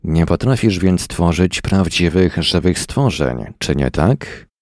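A man's voice: low-pitched, lively intonation, slow pace, a little mellow, no room sound, clean studio sound. A man reading the lines of a desperate, trapped space traveller, urgent and pleading.

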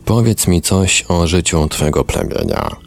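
A calm male hypnotist asking steady, measured questions, read by a man. The voice is very deep and gravelly, slow, with a lively rise and fall and faint music behind. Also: heavily acted. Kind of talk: reading a hypnosis session transcript aloud.

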